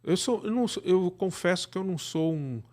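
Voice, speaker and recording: As a podcast guest, this middle-aged man from Brazil has a fairly high voice with a dark tone and speaks expressively and fairly quickly. His talk is rambling and conversational, frequently tagged with little check-in questions.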